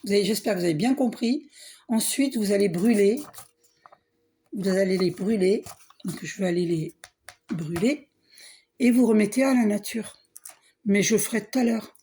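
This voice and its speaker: A hoarse middle-aged woman with a husky voice, talking casually in a spiritual vlog, often clearing her throat and trailing off. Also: mid-range voice, normal speed, pauses often, slight background noise. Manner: frequent throat clearing and coughing; hesitant, restarts, soft asides. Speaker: spiritual vlogger. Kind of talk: casual spiritual vlog, reading card box aloud.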